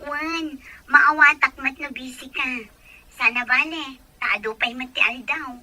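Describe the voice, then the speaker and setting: A woman playing a humble, understanding young girlfriend in an audio drama, speaking gently and politely. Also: high-pitched, fairly even intonation, measured pace, exaggerated voice, low-quality recording.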